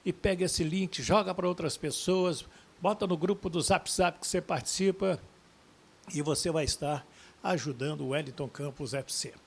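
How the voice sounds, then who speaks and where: A man's voice: a little high, moderate pace, gravelly. A man hosting a football news vlog, addressing viewers directly in a folksy way. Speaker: sports YouTube host.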